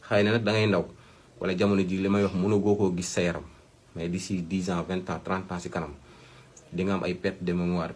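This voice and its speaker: A man's voice: low-pitched, slight background noise. A Senegalese man, host of a health channel, explaining advice to viewers in an instructive way with emphatic repetition. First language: Wolof.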